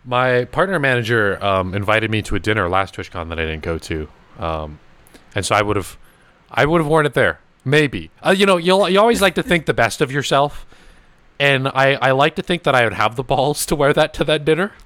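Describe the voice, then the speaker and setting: Young male podcast host, animated profane storyteller, dry close sound. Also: mid-range voice, normal speed, no echo. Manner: swearing, laughing, animated anecdotes. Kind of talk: casual storytelling chat.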